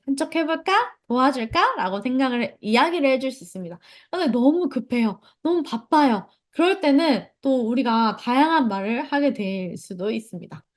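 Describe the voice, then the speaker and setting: Woman, parenting instructor, high and animated voice, acts out what parents say and reads chat comments back to the group. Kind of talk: online parent education lecture.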